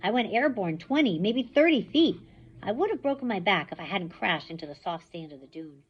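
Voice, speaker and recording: A woman reads a novel aloud, shaping the action scenes with lively swings in pitch. Her voice has a husky edge. The recording sounds dull and muffled. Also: fairly quick. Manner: expressive storytelling. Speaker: reader.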